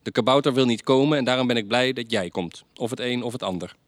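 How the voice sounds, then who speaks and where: A man voicing a gentle, resigned old fairytale teller on his deathbed, pleading and weary. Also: medium pitch, quick pace, no echo, pitched above the performer's own voice, close to an everyday voice.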